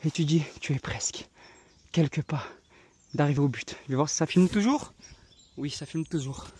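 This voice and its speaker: A man's voice: fairly high pitch, mellow, breathy edge, dry recording. A man vlogging outdoors while walking a hillside trail, exhorting his viewers as friends in a preaching style, filmed on a handheld phone. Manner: walking and climbing while talking. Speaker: evangelist. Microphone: handheld phone camera.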